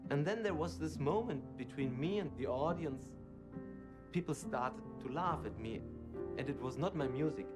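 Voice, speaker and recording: A man, a clown performer, talking slowly and earnestly about his craft in a documentary interview. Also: a little high, expressive. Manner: slow, reflective, earnest. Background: soft background music.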